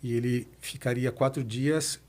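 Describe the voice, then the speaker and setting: A Brazilian man in his fifties, president of a nonprofit institute, appears as a podcast guest and answers interview questions by recounting his own story. He explains things reflectively in a mid-range, slightly mellow voice, keeping a steady tone and a measured pace.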